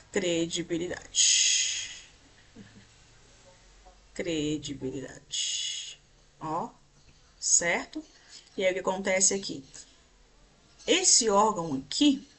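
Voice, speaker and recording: A woman teacher with a Brazilian Portuguese accent, giving a grammar lesson in an explanatory way and pointing things out on slides while checking in with her students. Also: mid-range voice.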